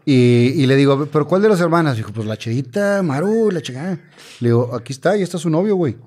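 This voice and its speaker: A man's voice: on the high side, expressive, quick pace, darkish tone. A man with a Mexican accent, a comedian guest talking bluntly and with plenty of swearing in casual banter. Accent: Mexican Spanish. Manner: blunt, profane, emphatic.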